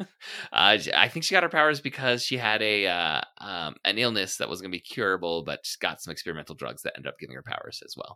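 A man with a fairly low pitch talks at a very fast pace, his tone bright and sharp with vocal fry. His pitch swings very widely and his loudness swings a lot. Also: very clean recording, silent background. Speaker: podcast host. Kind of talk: casual discussion.

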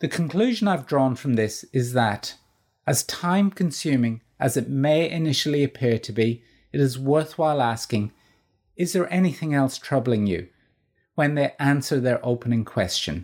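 Recorded very cleanly with a silent background, a man with an Irish accent speaks at a moderate pace and medium pitch with lively intonation. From Ireland. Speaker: dentist. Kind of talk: scripted narration.

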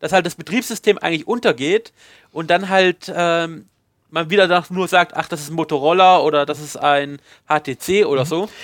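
A high-pitched man speaks at a moderate pace with big swings in loudness, in a dry, close sound with no echo. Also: ordinary pitch variation. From southern Germany, near Lake Constance (Ravensburg). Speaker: podcaster and gamer. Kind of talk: casual chat. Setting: Skype call.

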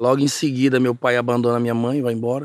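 A man talks very fast at a medium pitch, his intonation flat and monotone. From Manaus, Amazonas, Brazil. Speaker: evangelical pastor. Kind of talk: interview.

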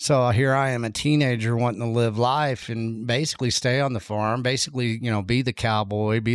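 Speaking at a fairly quick pace, a man with a Texan accent keeps his intonation fairly even. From Texas. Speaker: rancher and food activist. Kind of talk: interview. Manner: casual, filler-heavy.

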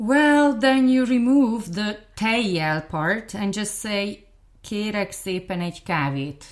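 A woman with a Hungarian accent speaks at a very slow pace. Her fairly high voice has lively intonation. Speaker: co-host and native Hungarian speaker. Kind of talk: casual educational lesson chat.

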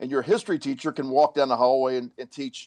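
A man with an unremarkable speaking voice, lively intonation and a moderate pace, recorded dry and close with no echo against a quiet background. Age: 60s. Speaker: financial advisor. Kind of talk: interview. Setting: remote call.

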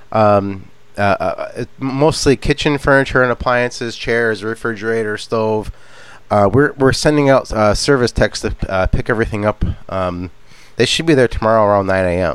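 Here a man has an ordinary speaking voice at medium pitch. He talks at a moderate pace with ordinary pitch variation. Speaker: prank caller. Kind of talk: phone prank call.

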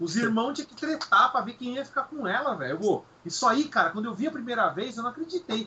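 An extremely high-pitched man talking at a very fast pace with lively intonation, hardly any pauses and noticeable background noise. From São Paulo, Brazil. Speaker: podcast co-host. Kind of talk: casual chat.

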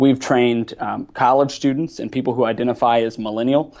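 This man has an American accent and a medium pitch. He talks at a moderate pace with monotone, flat intonation. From Tennessee, US South (Murfreesboro). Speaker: grassroots trainer. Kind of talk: interview.

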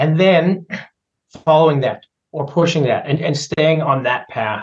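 This man has a Canadian accent and a fairly high pitch. His voice is somewhat breathy, with ordinary pitch variation. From Western Canada. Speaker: leadership consultant and author. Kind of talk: interview conversation.

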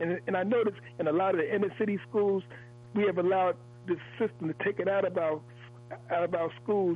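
A man with a high pitch and lively intonation talks at a very fast pace in very even loudness, leaving long, frequent pauses over noticeable background noise. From US Northeast, North Philadelphia. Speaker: caller. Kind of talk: call-in comment. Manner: animated.

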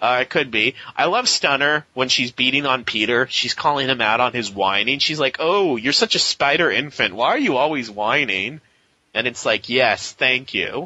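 A man's unremarkable speaking voice at medium pitch, with ordinary pitch variation, very even loudness and a moderate pace. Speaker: podcast host. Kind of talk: casual chat.

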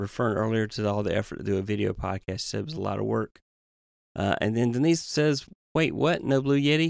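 A man with a plain, everyday voice speaks at medium pitch with lively intonation. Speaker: tech show host. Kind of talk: casual chat. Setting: video call.

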